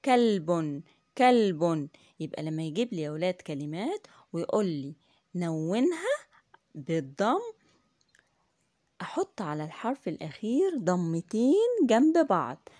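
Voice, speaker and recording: A woman's voice: medium pitch, sing-song, unhurried, pauses often, darkish tone, no echo, clean studio sound. A woman with an Egyptian Arabic accent teaching young children in a classroom lesson, repeating each point patiently, asking the class questions and praising answers. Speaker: primary school teacher.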